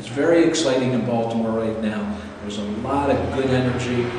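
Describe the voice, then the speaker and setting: A man at medium pitch, with noticeable background noise and strong room echo. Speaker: community organizer and advisor. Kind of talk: casual interview. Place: classroom. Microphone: camera far.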